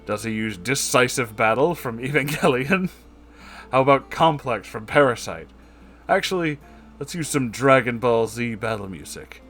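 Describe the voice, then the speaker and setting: A man's voice: medium pitch, animated, moderate pace, a bit bright, soft background music. A man narrating a comedic story in a dramatic, theatrical way.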